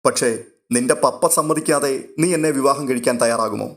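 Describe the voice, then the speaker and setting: A man reading a calm young fiancé. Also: medium pitch, fairly quick, natural voice.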